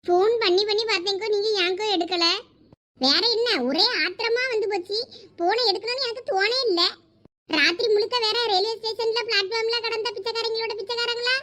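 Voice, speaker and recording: A woman's voice: very high voice, steady tone, quick pace, a bit bright. A woman playing an angry middle-aged village woman who scolds and complains. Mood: fuming. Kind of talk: comedy skit acting.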